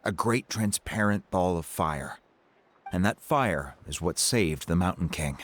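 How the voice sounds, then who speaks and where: A man voicing a calm, thoughtful tribal chief who explains events in a game cutscene. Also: sits low, unhurried, exaggerated voice. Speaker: tribe chief.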